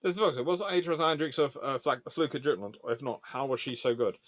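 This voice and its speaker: A man's voice: medium pitch, a little fast, no echo. A man hosting a naval history show, reading aloud from books and chatting informally as he reviews them and answers questions.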